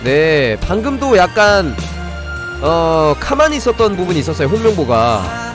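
A man's voice: a little high, big pitch swings, moderate pace. A man doing live game commentary and tutorial as a streamer, talking to his viewers over music. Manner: talks to viewers, thanks donors. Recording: music behind the voice.

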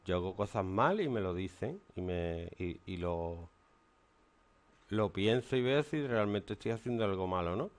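A man's voice: sits low, lively intonation, moderate pace. A stern man, teaching and lecturing a class in a classroom. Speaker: English teacher.

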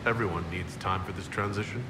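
Man as a low-voiced hero in echo. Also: moderate pace, natural voice. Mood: calm, inquiring. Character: composed, courteous male inquisitor hero. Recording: echoey game hall, loud rumble.

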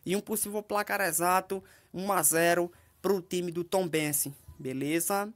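A man's voice: high-pitched, measured pace. Chatty Brazilian man giving betting tips. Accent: Brazilian Portuguese. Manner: ends phrases with tag questions to the audience; steady, methodical listing of odds and picks. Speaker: football betting tipster. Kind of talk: casual voice-over over betting screens.

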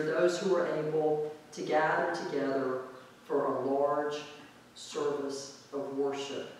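A male pastor giving a reflective, conversational sermon in a church sanctuary, drawing out key words slowly for emphasis. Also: a little high, darkish tone, slight background noise. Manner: reflective, conversational preaching with slow drawn-out emphasis. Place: church sanctuary with pipe organ, indoors. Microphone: far camera at back of sanctuary. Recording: very echoey church hall from far off.

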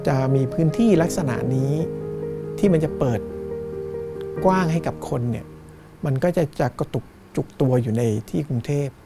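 A middle-aged Thai man, a cinema owner, talking thoughtfully in an interview, unhurried and pausing to find his words. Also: fairly high pitch, lively intonation, over music. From Thailand. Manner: thoughtful, unhurried, with fillers and restarts. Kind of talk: reflective interview talk. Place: small cinema in front of a screen, indoors.

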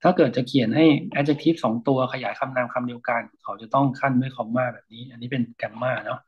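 A man teaches a reading class, walking through an article and stopping to explain grammar at an unhurried pace. His voice is a little husky, and the recording sounds muffled and lo-fi. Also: medium pitch, fairly even intonation. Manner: unhurried, frequent polite particles and hesitations. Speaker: lecturer.

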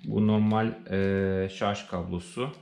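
A man with a Turkish accent presents an unboxing in a casual, unscripted way. His voice is on the low side and clearly gravelly, and he hesitates as he thinks aloud. The sound is roomy and echoey, as in a living room. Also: steady tone, takes it slowly, a little mellow.

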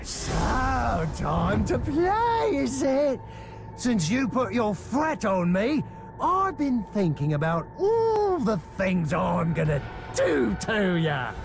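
A menacing orc warrior from a video game. The voice is pitched high and full of gravel. He drags out his theatrical taunts, with loud music behind him. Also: wildly swooping pitch, slow, full character voice. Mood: gloating menace. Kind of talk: video game villain acting.

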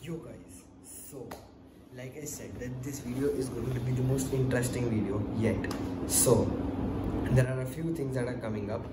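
A young man with a South Asian accent talks casually as a vlogger, mixing Hindi and English. His voice sits at an ordinary male pitch. The recording is echoey, with clear noise behind him. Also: steady tone, normal speed. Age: young adult. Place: home rooms and a rooftop. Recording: roomy, echoey sound with background noise.

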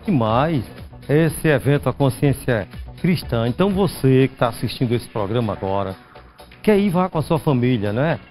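A middle-aged man hosting a live TV news show in the studio, in a chatty, animated way. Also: medium pitch, normal speed, soft background music. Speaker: TV news host.

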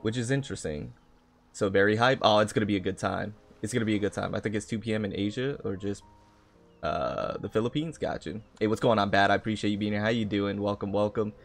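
With music in the background, a livestreamer chats casually about gaming, welcoming viewers and frequently repeating phrases. He speaks fast, with a fairly low pitch and vocal fry.

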